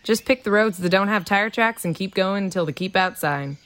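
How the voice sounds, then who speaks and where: An actress playing a folksy, teasing small-town matriarch in an audio drama, blunt and familiar with pet names. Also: female voice, medium pitch, moderate pace, a bit bright, lightly acted. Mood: breezy, teasing.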